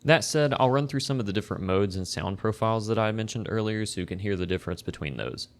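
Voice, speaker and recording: A man casually reviewing gear from his home desk, talking in a relaxed, conversational, self-deprecating way into a close desk microphone. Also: fairly low pitch, fast. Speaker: tech reviewer. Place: home desk in a corner facing two walls. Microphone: close condenser desk mic.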